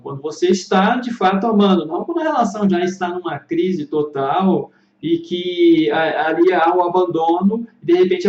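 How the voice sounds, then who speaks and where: Man, high-ish voice, reflective vlog monologue, pauses and restarts to find words; muffled roomy recording. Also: a little mellow. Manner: thoughtful, searching for words, frequent restarts. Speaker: psychotherapist vlogger. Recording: roomy, dull lo-fi sound.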